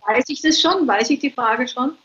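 A woman's voice: sits high, normal speed, fairly bright tone. An older woman from Vienna, a guest author chatting in a remote interview and filling her thoughts with ums. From Vienna, Austria. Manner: chatty, thinks aloud with many fillers. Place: at home on a holiday island, remote. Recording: dull lo-fi remote line.

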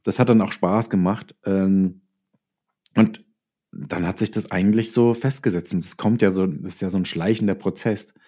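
A man's voice: low-pitched, steady tone, warm tone. A middle-aged man speaking as an interview guest, telling things reflectively and often restarting his sentences as he goes. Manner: halting, self-correcting, reflective storytelling. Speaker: interview guest, audio drama writer and author. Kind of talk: conversational interview.

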